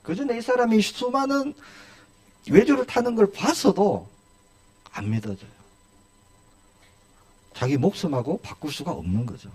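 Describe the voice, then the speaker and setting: A man's voice: sits high, lively intonation, moderate pace, long pauses, darkish tone. A male pastor preaching a sermon in a church, asking his congregation one rhetorical question after another.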